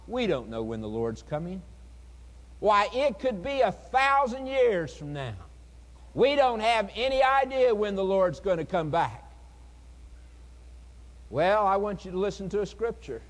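High-voiced preacher in a reverberant hall. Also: male voice. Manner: dramatic pauses, pleading and earnest, swings loud and soft. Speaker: evangelist preacher. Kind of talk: revival sermon.

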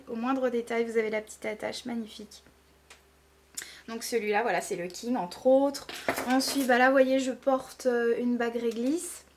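Woman, casual vlogger, enthusiastic, slightly high pitch, faint background noise. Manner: gushing, enthusiastic, many fillers. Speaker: beauty vlogger. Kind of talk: casual show-and-tell.

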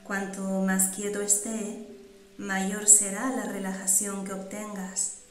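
A woman guiding a meditation in calm, measured instructions with pauses between phrases. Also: mid-range voice, faint music behind. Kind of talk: slow, soothing guided meditation. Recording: roomy, echoing sound.

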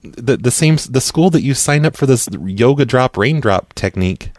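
A man's voice: medium pitch, expressive, moderate pace, no room sound. This man stammers and halts through a prank call, putting on a mock-earnest tone. His voice is dry and close, with no room sound around it. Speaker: prank caller.

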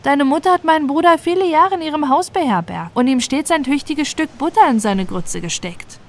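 A woman's voice: high-pitched, expressive, a little fast, pitched above the performer's own voice. A woman voicing a small friendly house goblin, kindly and admonishing, in a fairy-tale audiobook. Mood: kindly inviting.

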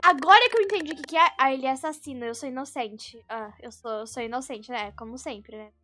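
A young woman with a Brazilian accent doing excitable gameplay commentary as a dramatic, easily scared streamer who exclaims and repeats her phrases. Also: sits high, brisk, slight background noise. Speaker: gaming streamer.

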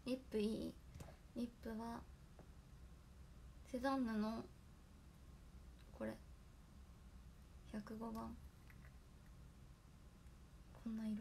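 Hoarse young woman chatting on a livestream. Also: a little high, level tone, slow, pauses often, dark tone, a little hiss or hum. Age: young adult. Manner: chatty, thanks viewers for gifts by name. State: hoarse after a nap. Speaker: idol livestreamer. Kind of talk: casual livestream chat.

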